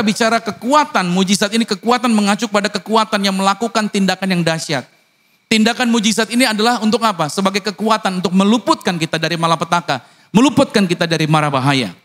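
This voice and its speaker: High-voiced preaching man. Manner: casual Jakarta slang mixed with formal preaching, rhetorical questions; swings from high excited lines to low earnest ones. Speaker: pastor. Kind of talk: sermon.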